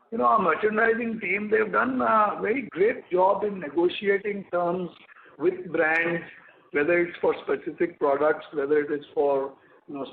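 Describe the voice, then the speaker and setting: A man with an Indian accent answering investor questions as a company executive, in measured, hesitant phrasing with frequent pauses. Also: fairly high pitch. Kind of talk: earnings call answers. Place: conference call line. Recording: echoey, muffled conference call audio.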